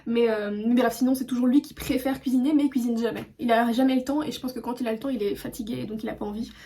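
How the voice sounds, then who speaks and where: Chatty French woman with a mellow voice. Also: a little high, fairly even intonation, fast talker, a little hiss or hum. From France. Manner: chatty, rambling, many fillers and restarts. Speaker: vlogger. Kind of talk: casual vlog chat to camera. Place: hotel room. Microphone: phone camera.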